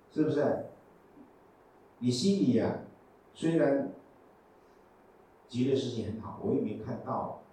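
Buddhist monk teaching in an echoey hall. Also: male voice, medium pitch, dark tone, slight background noise. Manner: patient, explaining with rhetorical questions. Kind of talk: Buddhist dharma talk. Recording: echoey hall, mic from a distance, faint ambience.

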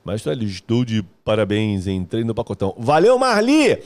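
A man from Rio de Janeiro, hosting a live music course stream, chatting casually with viewers in an energetic, slangy, joking way. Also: fairly low pitch, a little fast. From Rio de Janeiro, Brazil.

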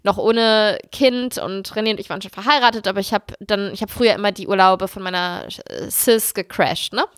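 A woman telling a story in casual chat, animated and dramatic, jumping up into squeals when she relives the fright. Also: medium pitch, brisk, hardly any pauses, dry recording, clean studio sound.

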